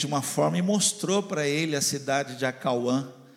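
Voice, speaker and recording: A man speaks at a fairly high pitch with ordinary variation. Noticeable background noise runs behind him. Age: 50s. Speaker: pastor. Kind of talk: sermon. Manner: animated.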